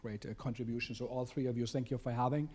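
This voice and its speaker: A man hosting and introducing an evening talk event, speaking in a halting way with many fillers. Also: medium pitch, steady tone, a little mellow. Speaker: event host. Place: theater event space.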